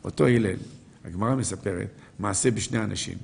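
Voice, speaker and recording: Low, gravelly rabbi preaching a sermon. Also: male voice, a little mellow, slight background noise. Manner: asks the audience rhetorical questions and answers them; quotes verses and sages. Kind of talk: live Torah sermon.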